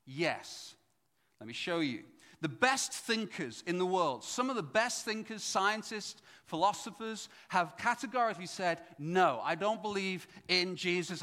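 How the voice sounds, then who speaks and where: Pastor preaching in an echoey hall. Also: male voice. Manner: animated, swings from loud emphatic to low asides. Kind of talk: sermon. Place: church hall.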